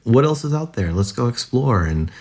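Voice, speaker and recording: A man's voice: mid-range voice, very animated, moderate pace, darkish tone. A young adult man from the United States, a podcast guest chatting casually about his family, rambling with lots of "like"s. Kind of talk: casual interview storytelling.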